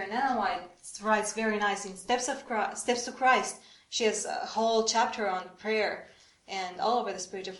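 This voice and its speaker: Woman presenter, higher voice, asks the room questions, echoey hall. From Romania. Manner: engaging, asks the audience questions. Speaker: prayer workshop presenter. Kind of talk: church workshop talk.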